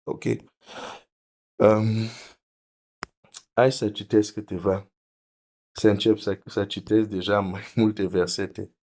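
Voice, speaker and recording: A man's voice: on the low side, flat delivery, pauses often, a little mellow. A man preaching a teaching sermon, explaining carefully, repeating his points and reading scripture aloud.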